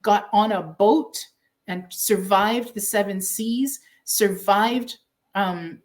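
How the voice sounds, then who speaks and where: Woman guest from Canada, middle-pitched, earnest and measured, speaking with pride. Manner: earnest, proud, measured with pauses. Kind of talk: heartfelt interview answer.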